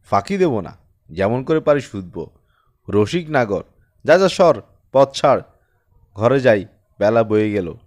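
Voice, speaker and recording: A haughty village priest from a storybook, acted out by a male narrator. He scolds and mocks in sharp, callous commands. The sound is dry and close. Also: mid-range voice, sing-song, a little slow, long pauses, dry recording, muffled recording, pitched below the performer's own voice. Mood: mocking. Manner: sharp taunts, contemptuous commands. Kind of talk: dramatized audiobook storytelling.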